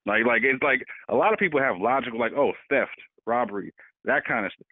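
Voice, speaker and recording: Male co-host, middle-pitched, animated talk-show arguer, dry phone-line sound. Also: a little fast, dry recording. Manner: animated, repeats words while building a point. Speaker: podcast co-host. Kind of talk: casual political discussion.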